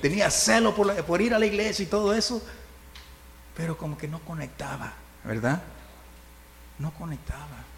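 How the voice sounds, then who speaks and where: A man's voice: fairly high pitch, normal speed, vocal fry, long pauses. A man preaching a conversational sermon, often asking "right?" and chuckling. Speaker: pastor. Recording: reverberant hall, faint noise.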